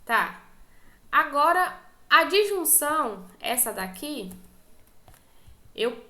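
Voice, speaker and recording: Lecturing to an online class, a teacher with a Brazilian Portuguese accent walks her students through the material step by step with patience, regularly checking on them. Her voice sits on the high side, bright and forceful, in an echoey room.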